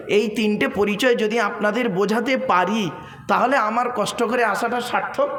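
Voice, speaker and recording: A man's voice: very high-pitched, a bit bright. A man preaching a sermon at a large religious gathering, quizzing the crowd with questions and laughing often in a playful, teasing way. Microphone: stage microphone. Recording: echoey open-air PA sound.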